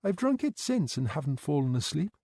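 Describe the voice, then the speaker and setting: A woman's voice: sits low, very animated, brisk, warm tone, no room sound, studio quality, voice pushed up, heavily acted. A man voicing a tearful young care worker woman. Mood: worried. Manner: tearful, worried, pleading. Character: anxious young female night care worker.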